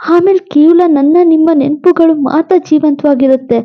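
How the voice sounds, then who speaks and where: A woman voicing a gentle, loving young wife who is dying and speaks in a soft, pleading way. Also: high voice, steady tone, normal speed, highs cut off, pitched above the performer's own voice, close to an everyday voice. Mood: sad pleading.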